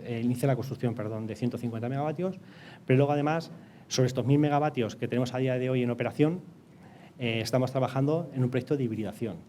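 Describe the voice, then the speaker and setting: A man with a Castilian Spanish accent speaks in a mellow, mid-pitched voice. He explains things as an interview guest, hesitating and repeating words. There is light ambient noise behind him. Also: fast. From Castilla-La Mancha, Spain. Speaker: interview guest, energy company project director.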